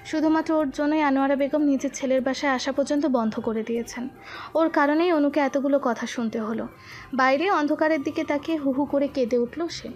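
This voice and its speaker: A woman narrating a romantic audio story with steady, expressive storytelling. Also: high-pitched, fairly quick, muffled recording.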